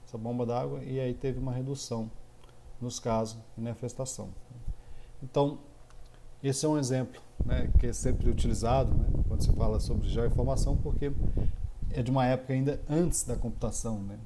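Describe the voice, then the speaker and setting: A Brazilian professor from Minas Gerais with a mineiro accent, giving a course lecture with many fillers. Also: male voice, mid-range voice, fairly even intonation, brisk. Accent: Brazilian Portuguese, mineiro. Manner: filler-heavy, frequent "né", loose explanatory pacing. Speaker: university computing professor. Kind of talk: recorded online course lecture. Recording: noisy recording with clicks.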